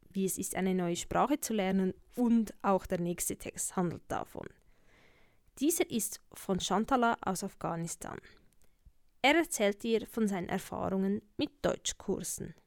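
A woman presents a radio programme in scripted narration. Her voice sits at a medium pitch and sounds close and dry, with hardly any room around it. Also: a little slow, no echo. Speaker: radio host.

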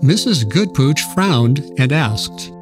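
A man reading a children's story aloud in a calm, measured way. His pace is very slow and steady, in a middle-pitched voice. Gentle music plays behind him. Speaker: narrator.

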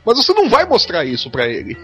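A man's voice: high voice, huge pitch swings, quick pace, a bit bright, soft background music. A man with a Brazilian accent chatting casually on a podcast, irreverent and joking, with plenty of swearing.

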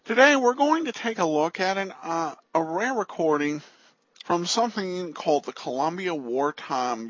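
A man's voice: on the high side, fairly bright tone, no echo, dull audio. An American man hosting a podcast and introducing a program. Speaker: podcast host.

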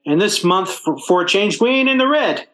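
A hapless working-class family man played by a male actor in an old-time radio sitcom. He blusters and stammers in folksy, ungrammatical speech, his pitch lurching up and down. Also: expressive, normal speed, a bit bright. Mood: proud, pompous.

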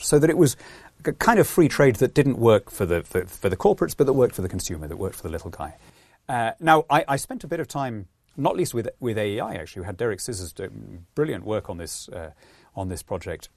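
A man's voice: medium pitch, dry recording. A man with a British accent, a podcast guest, talking animatedly, acting out quotes with many restarts. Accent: British English. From born in Peru, lives in England. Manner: lively storyteller, acts out quotes, frequent restarts. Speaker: guest, politician.

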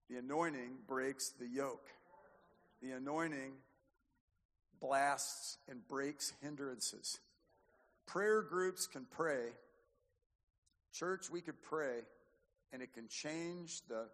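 An older man with an American accent preaching a charismatic sermon, exhorting in a folksy way and repeating phrases for emphasis. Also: medium pitch. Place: large church or hall, live preaching. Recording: long echoing hall reverb.

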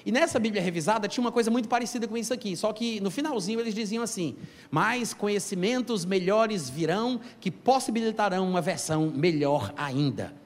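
A high-voiced man preaches in a church hall, his voice trailing off in a long reverb. He teaches scripture in an animated, emphatic way, stopping to call out to the congregation. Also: brisk. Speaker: pastor. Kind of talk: sermon.

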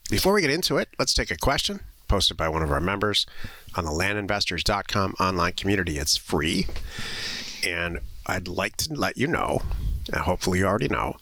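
This American man from the western United States co-hosts a land investment show, explaining things casually, bluntly and informally in podcast-style talk. His voice is low-pitched and animated, with a sharp tone and moderate pace. There is no echo.

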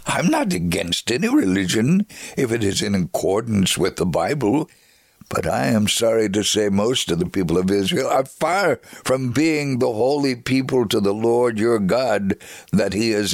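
A man performing a dramatic reading as an earnest, devout Jewish man recounting his life in a measured, solemn way. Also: mid-range voice, no room sound, clean studio sound. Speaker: dramatic reader. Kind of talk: scripted dramatic reading of a memoir.

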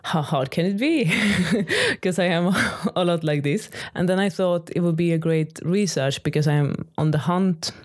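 A woman's voice: lowish voice, expressive, normal speed. Young Swedish woman, accented English, talkative and upbeat podcast host being interviewed, casual and loose. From Sweden. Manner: chatty and enthusiastic, laughs often, frequent restarts.

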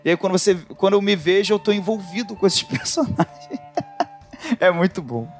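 A man with a Brazilian accent in casual, reflective podcast chat, talking informally and slangily in halting, rambling bursts. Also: high-pitched, faint music behind. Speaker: podcast co-host.

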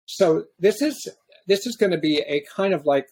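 A man hosting a podcast in a casual, reflective way, often halting and restarting his sentences. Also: sits high, animated, darkish tone, a little hiss or hum. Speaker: podcast host.

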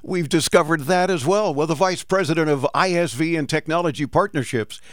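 A man's voice: on the high side, a little fast, fairly bright tone, dry recording, studio quality. Upbeat male radio tech show host. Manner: upbeat, promotional host patter.

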